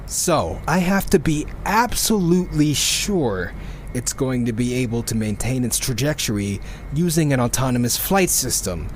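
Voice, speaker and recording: A man's voice: mid-range voice, animated, normal speed, slight background noise, lightly acted. A man playing a frustrated, sweary programmer in a sci-fi audio drama, talking in an exasperated way. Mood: weary, explaining. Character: frustrated sweary male programmer on a doomed earth.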